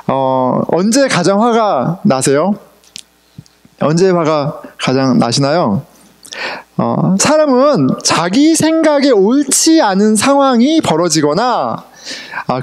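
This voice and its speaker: Lively high-voiced pastor preaching. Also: male voice. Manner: conversational, asks the congregation questions, mixes in English words. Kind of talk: sermon. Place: church sanctuary.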